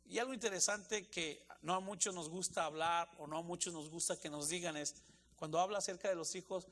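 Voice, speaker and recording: A male pastor delivers a Spanish sermon in a fairly high voice, driving his points home by repeating lines. He swings from soft, measured passages to louder, more urgent stretches. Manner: preaching with rising intensity, repeats phrases for emphasis.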